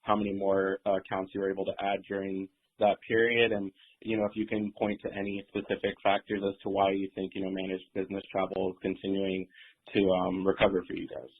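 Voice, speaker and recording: A husky man with a very flat, lowish delivery asks a polite, casual reporter's question. His voice comes over a thin phone connection. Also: fairly quick. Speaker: business journalist asking question. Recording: narrow muffled phone line.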